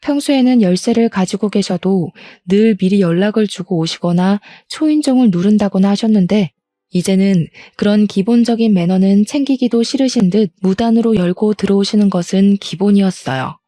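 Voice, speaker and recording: Young woman narrating her own story, kind of hurt and fed up, mellow dry voice. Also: mid-range voice, normal speed, dry recording. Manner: aggrieved, confiding. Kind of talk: first-person story narration.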